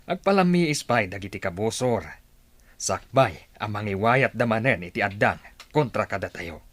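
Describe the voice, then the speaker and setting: A man's voice: lowish voice, expressive, moderate pace, a bit bright. A man playing a stubborn but reassuring tribal chief talking to his wife in an Ilocano radio drama.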